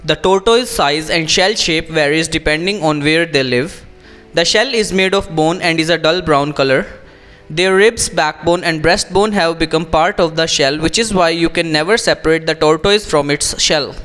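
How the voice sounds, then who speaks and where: High-pitched Indian man, teacher reading aloud. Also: moderate pace, fairly bright tone, soft background music. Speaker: English exam coach. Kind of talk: instructional read-aloud with tips.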